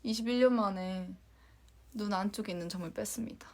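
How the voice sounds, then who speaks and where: A young woman from Jeonju with a light Jeolla accent, chatting casually with fans on a livestream, giggling and sometimes dropping into a soft whisper. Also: medium pitch, fairly quick. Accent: light Jeolla Korean. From Jeonju, Korea. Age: young adult. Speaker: idol livestream host.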